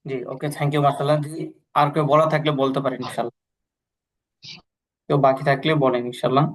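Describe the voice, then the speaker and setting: A man's voice: medium pitch, steady tone, a little fast. A man teaching an English class, explaining patiently and repeating himself a lot. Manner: repetitive, patient, many fillers and pious phrases. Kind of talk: online language class, explaining to students.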